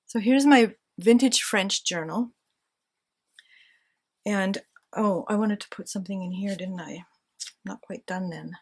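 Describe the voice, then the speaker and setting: A woman with a medium-pitched, darkish, breathy voice chats casually while decorating a handmade journal at home. As a crafting vlogger, she talks both to herself and to her viewers.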